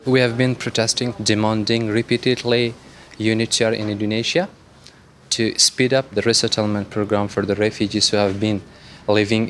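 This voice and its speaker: A man in his twenties from Afghanistan, a refugee organizer, speaking softly and politely. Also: on the low side. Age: 20s. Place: refugee accommodation. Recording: field recording with background noise.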